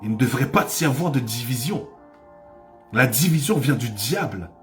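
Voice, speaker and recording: A man's voice: mid-range voice, expressive, normal speed, a bit bright, soft background music. A man preaching a sermon as pastor, with impassioned delivery that rises to cries and repeats phrases for emphasis.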